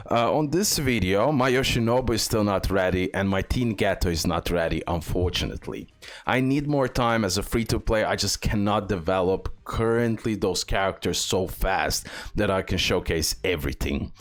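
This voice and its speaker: A man hosting a game guide and showcase, talking through it with some hesitant, repetitive phrasing. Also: sits low. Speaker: gaming video host.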